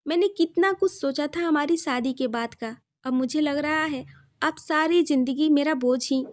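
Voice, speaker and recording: A woman's voice: sits high, moderate pace, lightly acted. A woman voicing an emotional young wife who pleads tearfully and teases playfully in a storybook reading. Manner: tearful, then teasing.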